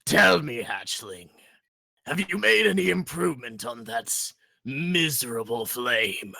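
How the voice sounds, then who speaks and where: Slow, gravelly, menacing dragon. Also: male voice, big pitch swings, bright, forceful tone, dry recording, studio quality, exaggerated voice. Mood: scornful taunting. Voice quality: gravelly, booming. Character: huge ferocious old green male dragon, disdainful, menacing. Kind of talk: dramatic audio story acting.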